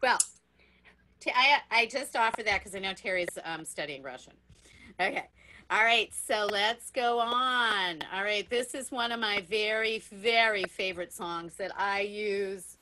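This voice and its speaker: A middle-aged woman leading a teacher workshop over a video call, chatty and unhurried, often laughing and asking okay. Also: medium pitch, pushed and bright, rough recording. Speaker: music workshop leader for teachers.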